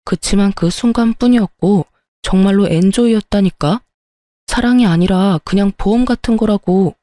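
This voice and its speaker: A woman's voice: medium pitch, moderate pace, dark tone, no echo, lightly acted. Woman playing a whiny cheating husband. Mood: pleading. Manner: pleading, defensive. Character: cheating husband, pleading and self-justifying man.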